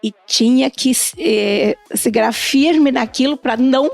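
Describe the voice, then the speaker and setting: A woman's voice: high-pitched, measured pace, dry recording. A middle-aged or older woman chatting as a podcast guest, telling stories and acting out quoted exchanges. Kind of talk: casual conversational interview, anecdotes.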